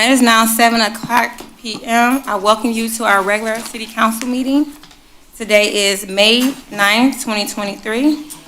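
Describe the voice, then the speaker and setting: A woman's voice: medium pitch, slight background noise, low-quality recording. A woman chairing a city council meeting, talking to the room in a chatty way and reading a proclamation at a desk microphone in a council chamber. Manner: chatty, warm asides to the room. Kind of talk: presiding over a public meeting, reading a proclamation.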